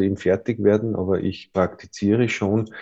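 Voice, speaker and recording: Over a quiet background, a man with an Austrian accent speaks in a fairly low, monotone, flat voice. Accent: Austrian dialect speaker. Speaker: actor. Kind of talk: casual interview. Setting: video call.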